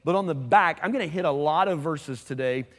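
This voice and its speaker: A man preaching a sermon as pastor, talking fast and conversationally with asides to the congregation. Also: on the high side. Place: church sanctuary. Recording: long church hall reverb.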